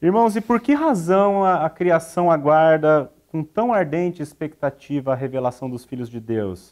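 A man's normal speaking voice, fairly high in pitch, with lively intonation, a fairly slow pace and hardly any pauses, over a quiet background. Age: 30s. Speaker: lay preacher. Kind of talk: sermon. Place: studio. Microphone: lapel.

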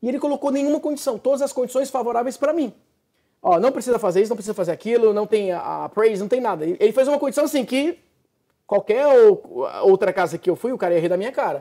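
A man talks at a very fast pace with an extremely high pitch and lively intonation. His tone is dark and mellow, set against a quiet background. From Brazil, Ceará (Fortaleza); Ceará, Brazil. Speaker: digital marketing entrepreneur; interview guest. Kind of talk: interview. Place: home room. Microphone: lapel.

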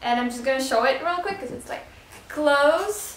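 Light background noise and audible room echo accompany a woman whose high pitch shows ordinary variation. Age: 20s. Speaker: vlogger and new mother. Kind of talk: product review vlog. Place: home room. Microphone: camera far.

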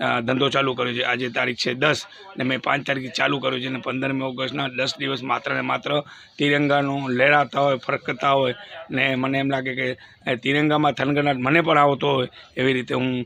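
Against noticeable background noise, a man speaks at a medium pitch in a flat monotone. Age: 50s. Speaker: flag shopkeeper. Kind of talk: news interview.

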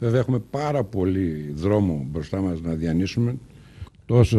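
Very deep and low in pitch, a man talks at a fairly slow pace with lively intonation and a dark, mellow tone. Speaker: urologist; audience member. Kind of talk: panel discussion. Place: hall. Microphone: handheld.

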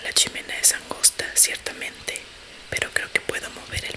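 A soft-spoken woman whispers at a moderate pace over loud background noise. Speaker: storyteller. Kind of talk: audiobook-style story reading. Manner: soft ASMR whisper close to mic.

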